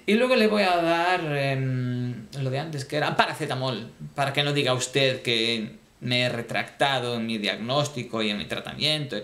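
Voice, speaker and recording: Man voicing a patronizing pill-pushing shrink, high-ish voice, echoey room. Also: fairly bright tone. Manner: condescending, rambling reassurance. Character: smug drug-pushing male psychiatrist. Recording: roomy echo.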